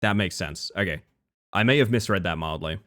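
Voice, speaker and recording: A man's voice: low-pitched, a little fast, a bit bright. A man with an Australian accent, chatting casually with his live-stream audience while gaming, reading chat aloud and swearing now and then.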